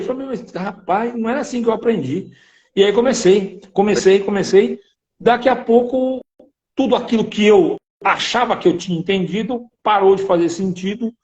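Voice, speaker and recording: Male preacher, higher voice, animated testimony storyteller who acts out voices. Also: low-quality recording. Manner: lively storytelling, acting out voices, emphatic. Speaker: interviewed preacher. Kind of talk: testimony in a religious interview.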